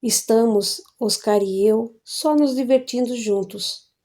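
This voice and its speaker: A woman's voice: a little high, slow pace, darkish tone. A woman voicing a cynical, mocking woman. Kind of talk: audiobook reading.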